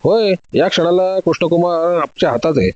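A man's voice: a little high, fairly quick, dry recording, dull audio, close to an everyday voice. A man playing a coolly commanding detective. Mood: confident. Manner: calm, commanding, methodical. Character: cool, confident male detective.

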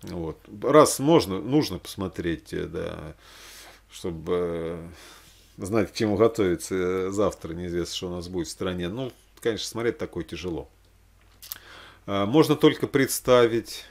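A man speaking casually and ramblingly as he recommends things to watch, halting and repeating himself for emphasis. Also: low voice, creaky. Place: small room indoors.

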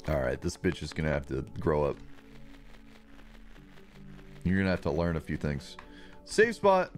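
A man's voice: rumbling low, huge pitch swings, normal speed, faint music behind. A young man streaming a game, reading its text aloud and tossing in crude, wry jokes, his voice getting strained. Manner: crude, joking, wry asides. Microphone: streaming microphone.

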